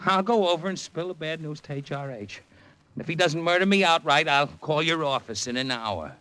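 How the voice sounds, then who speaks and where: A man's voice: on the high side, fairly quick. A man narrating and acting as an eager, fussy talent agent in a 1940s radio drama. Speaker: narrator and lead character, an agent. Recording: noisy old radio transcription.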